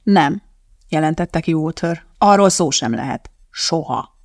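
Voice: medium pitch, animated, no room sound, studio quality, natural voice. An audiobook reader voicing an anxious male TV producer who pleads and frets. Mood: worried. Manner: worried and pleading. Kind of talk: audiobook character voice.

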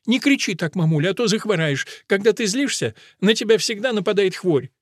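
A man's voice: sits high, lively intonation, a little fast, no room sound, studio quality, pitched above the performer's own voice. A man playing a sly, pleading young woman. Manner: pleading, soothing.

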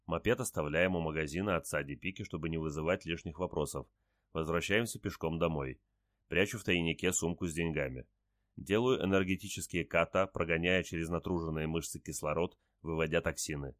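A man reading a first-person story aloud in a calm, terse manner with short clipped sentences. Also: low-pitched, a little fast, no echo, studio quality. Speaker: audiobook narrator.

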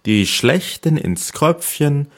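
A poor, meek girl from a storybook speaks in a soft, plaintive way, sighing as she talks, as a man puts her on. His voice rises above its usual low register but keeps a slight huskiness. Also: very animated, slow, full character voice.

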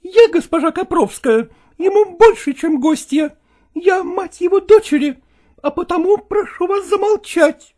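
A man's voice: extremely high pitch, animated, a little slow, darkish tone, voice pushed up. A man voicing a tearful, defiant young mistress. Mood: indignant, pleading. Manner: pleading, indignant. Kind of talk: audiobook reading of a classic novel.

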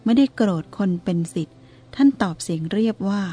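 A woman calmly narrating a story in a measured reading voice. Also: medium pitch. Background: faint music.

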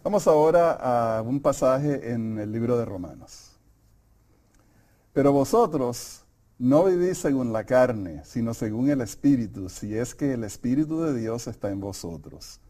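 A middle-aged man co-leading a Bible study, calm and affirming as he reads scripture and comments. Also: medium pitch, unhurried. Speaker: Bible lesson co-presenter. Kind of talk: conversational Bible study lesson.

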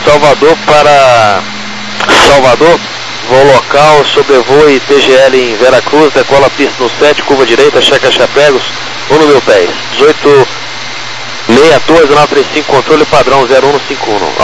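A man's voice: medium pitch, fairly even intonation, normal speed. A man with a Brazilian accent giving clipped ground control instructions over a crackly two-way radio. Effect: crackly two-way aviation radio. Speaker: airport ground controller giving taxi clearances. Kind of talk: clipped aviation radio phraseology. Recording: crackly, noisy air traffic radio.

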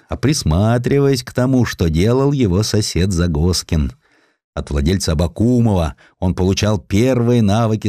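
A man narrating historical essays from a script in an expressive storytelling way, with ironic, conversational asides. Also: low voice, dry recording, clean studio sound. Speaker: audiobook narrator. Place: studio.

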